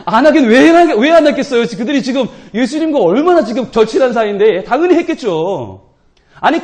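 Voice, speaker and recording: A male pastor preaching at a church prayer meeting, animated and humorous, acting out people's inner voices. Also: very high voice. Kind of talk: sermon.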